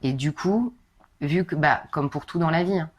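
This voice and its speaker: A young woman with a deep, husky speaking voice talks loosely and informally as a podcast guest. She strings long stories together with lots of casual fillers. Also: normal speed, highs cut off. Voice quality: low husky voice. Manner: chatty, informal, many fillers.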